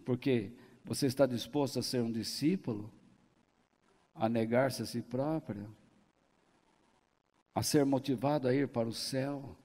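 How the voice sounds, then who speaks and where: A man's voice: mid-range voice, measured pace, long pauses, mellow. A man preaching a sermon as pastor, in a folksy way, joking and acting out the people he quotes. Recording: long hall reverb.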